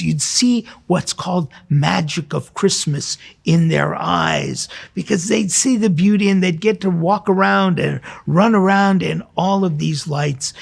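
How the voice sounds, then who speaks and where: Gravelly older man, preaching through stories. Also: a little high. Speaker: priest and host of a religious program. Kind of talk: conversational sermon with personal storytelling.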